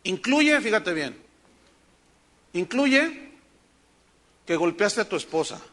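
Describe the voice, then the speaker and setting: A man with a Mexican accent, a pastor preaching a sermon with emphatic rhetorical questions and animated storytelling. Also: high voice, slow pace. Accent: Mexican Spanish.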